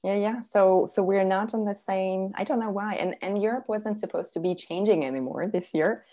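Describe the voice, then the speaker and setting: A woman's voice: mid-range voice, normal speed, mellow. A woman from Serbia, a parenting coach, talking earnestly as a guest, with many fillers and restarts. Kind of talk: casual interview talk.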